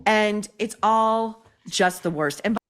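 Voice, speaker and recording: A woman's voice: mid-range voice, slow pace, a bit bright, smooth. Sarcastic, swearing female commentator. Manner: sarcastic, profane. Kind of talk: opinionated commentary clip.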